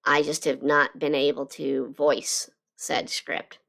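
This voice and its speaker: A woman chatting casually on a live drawing stream, her voice slightly hoarse from being sick, rambling with lots of fillers and restarts. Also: low-pitched, level tone, takes it slowly, fairly bright tone. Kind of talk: casual chat while drawing.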